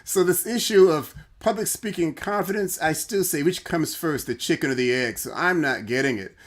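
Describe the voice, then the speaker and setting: A man hosting a livestream, his voice a touch high. He rambles playfully, laughing as he teases and questions his guest. He is on a video call. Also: moderate pace. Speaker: host. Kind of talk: casual debate on a livestream.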